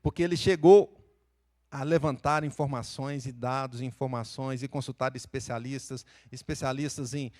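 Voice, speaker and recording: A man with a Brazilian Portuguese accent, preaching a sermon as pastor in a church and acting out quoted voices as he tells the stories. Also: medium pitch. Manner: lively storytelling, acts out quoted voices.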